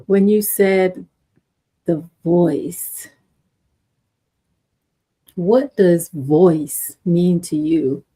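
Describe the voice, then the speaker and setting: A woman with a mellow, fairly low voice. She interviews a guest. She speaks slowly and asks thoughtful, affirming questions. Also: steady tone, slightly rough. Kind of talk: conversational interview.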